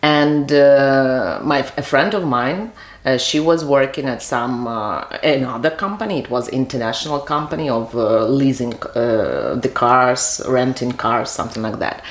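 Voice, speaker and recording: A woman in her forties from Ukraine, talking as an interview guest and often pausing to search for words. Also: extremely low pitch, expressive. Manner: halting, searches for words, many fillers. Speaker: guest, business trainer. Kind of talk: casual interview chat. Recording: roomy echo.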